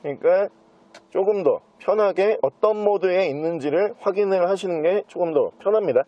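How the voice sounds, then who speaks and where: A man giving an unscripted sales walkthrough as a used car dealer, with smooth, practised salesman patter. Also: high voice, moderate pace, no echo. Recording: dull, muffled lo-fi sound.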